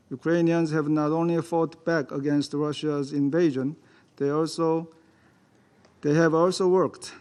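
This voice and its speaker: A man whose first language is Korean, reading a formal prepared statement as a delegate to a security council, in a measured, deliberate way. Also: fairly high pitch, darkish tone. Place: council chamber.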